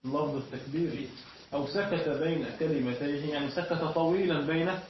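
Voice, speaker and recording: A man teaching a classroom lesson, often pausing mid-sentence so his students can finish his words. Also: a little high, a little hiss or hum. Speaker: teacher of Islamic jurisprudence. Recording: echoey, distant, dull room recording.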